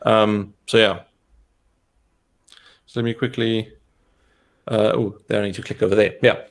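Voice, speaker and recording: A man's voice: on the low side, little pitch movement, unhurried, vocal fry. A man co-hosting a live cloud question-and-answer stream in casual chat, talking with lots of fillers. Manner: chatty, frequent fillers.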